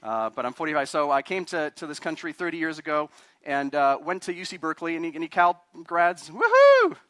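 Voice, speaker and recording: Brief: 40s man from Chile, quick talker, dry close sound, addresses a live crowd with chatty questions. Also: a little high, very animated, a bit bright, dry recording. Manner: chatty, quizzes the audience, self-deprecating. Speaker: guest speaker, attorney. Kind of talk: live talk to a meetup audience.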